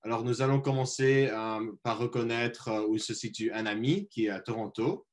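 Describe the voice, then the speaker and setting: A man's voice: mid-range voice, moderate pace. A young man moderating a video call, reading a formal land acknowledgement carefully and stumbling over names with fillers.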